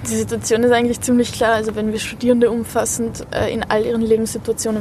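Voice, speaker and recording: A woman's fairly high, monotone, flat voice at a moderate pace over noticeable background noise. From South Tyrol, Italy. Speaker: student union representative. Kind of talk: interview. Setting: outdoors on a rooftop.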